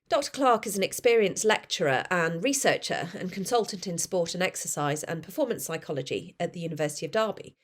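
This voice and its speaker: A woman hosting a podcast who reads a guest introduction in a clear, measured way and then asks conversational questions. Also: fairly low pitch. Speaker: podcast host.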